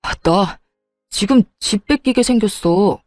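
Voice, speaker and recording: A woman's voice: mid-range voice, unhurried, a little mellow, no room sound, studio quality, soft background music, natural voice. A woman voicing a hot-headed grown son who whines and blames his mother in a storybook reading. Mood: exasperated. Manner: whiny, exasperated.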